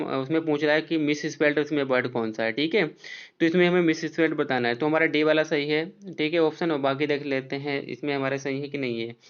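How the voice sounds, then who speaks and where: A man walks through exam spelling questions, spelling each word out slowly letter by letter and checking every option. His voice sits a little high and comes across smooth and clear. The recording is dull and lo-fi. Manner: spells words out letter by letter, repeats "ठीक है". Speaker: exam prep teacher.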